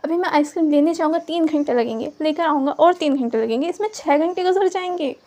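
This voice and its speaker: A woman voicing a worried young husband who coaxes and reasons gently, in a storybook reading. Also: high voice, brisk, lightly acted. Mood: coaxing. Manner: coaxing, exasperated.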